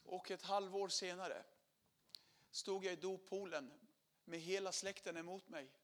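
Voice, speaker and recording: A high-pitched middle-aged man delivers a lively sermon testimony about his conversion. He acts out what people said, his volume swinging from loud to hushed.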